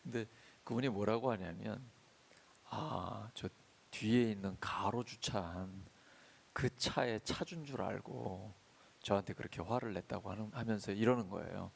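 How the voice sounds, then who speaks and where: A man preaching a sermon as pastor in a church, swinging between loud emphatic lines and soft confiding storytelling. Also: fairly low pitch, unhurried, creaky, husky. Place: church sanctuary.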